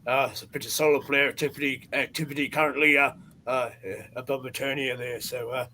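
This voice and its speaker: A man's voice: medium pitch, level tone, sharp tone. A man speaking hesitantly as a guest in a casual chat. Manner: hesitant, frequent drawn-out uhs. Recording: noisy internet call with room ambience.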